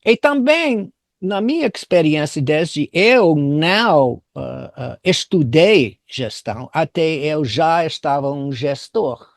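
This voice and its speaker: An older American man, a native English speaker, talks as an interview guest in a fairly high, gravelly voice. He recounts things conversationally, halting to search for words. The sound is dry and close. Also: lively intonation, dry recording. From United States. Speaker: business consultant interviewed as guest.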